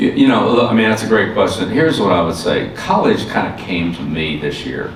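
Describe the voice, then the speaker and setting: A man speaks against noticeable background noise. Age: 70s. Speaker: football coach. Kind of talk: press conference answer.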